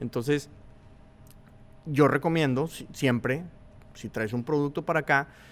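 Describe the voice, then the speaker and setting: Fairly high-pitched man with a Mexican accent, fairly slow and fairly even in intonation, with long, frequent pauses and big swings in loudness. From Mexico, Monterrey. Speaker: businessman. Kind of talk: podcast interview. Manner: casual, hesitant fillers.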